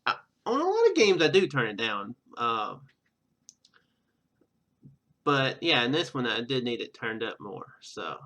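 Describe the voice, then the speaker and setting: A man giving casual gameplay commentary in a halting, rambling, self-deprecating way. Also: medium pitch, huge pitch swings, bright, forceful tone. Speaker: let's player. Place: indoor room at home.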